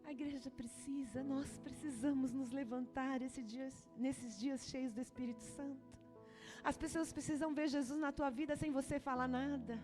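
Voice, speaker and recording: A woman with a Brazilian accent preaching a sermon in a high voice. She moves between hushed, intimate phrases and fervent, rising exhortation. The sound carries a long church-hall reverb, with soft music underneath. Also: steady tone, moderate pace. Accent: Brazilian Portuguese. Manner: passionate, swings from soft to loud. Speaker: bishop preaching.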